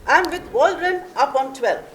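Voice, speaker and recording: A prickly, jilted office worker played by a woman in a comic stage play. Her voice is high, and she speaks with exasperated emphasis, trying to keep everyone in order. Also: expressive, normal speed, fairly bright tone. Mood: placating, brisk. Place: live stage at a literature festival.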